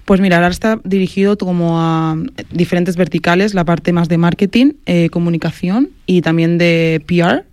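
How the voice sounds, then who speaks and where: A woman's voice: fairly low pitch, normal speed, a little mellow, no echo, studio quality. A woman from Madrid, a guest in a casual interview, talking earnestly with many fillers and self-corrections. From Madrid, Spain. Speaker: guest, sports marketing agency founder.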